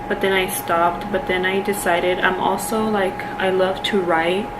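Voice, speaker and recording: A woman's voice: on the low side, measured pace. A woman whose first language is Spanish, speaking English with a Spanish accent in a chatty get-ready-with-me vlog, full of "like" and "you know". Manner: chatty, filler-heavy, many "like"s and "you know"s. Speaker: beauty vlogger. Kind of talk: casual get-ready-with-me chat. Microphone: camera mic from a distance. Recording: distant camera mic, steady background hum.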